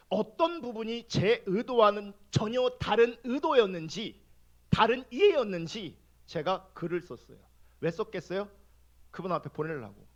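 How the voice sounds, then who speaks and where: High, lively Korean pastor preaching. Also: male voice, muffled recording. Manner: animated storytelling, acting out his own prayers. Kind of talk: sermon with personal testimony.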